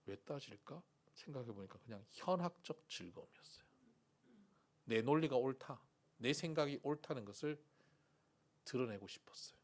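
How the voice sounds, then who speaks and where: A male pastor preaching a sermon, swinging between loud rhetorical questions and hushed whispers, and telling stories about himself with candid self-mockery. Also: medium pitch, animated, normal speed. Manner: candid, self-mocking storytelling.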